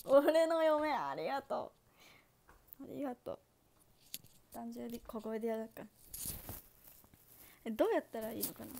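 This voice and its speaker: A woman's voice: fairly high pitch, expressive, unhurried, creaky, pauses often, a little mellow, slight background noise. A young woman hosting a casual livestream, chatting with viewers and reading their comments, giggling often. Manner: giggly, bubbly, laughs often. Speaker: idol livestream host.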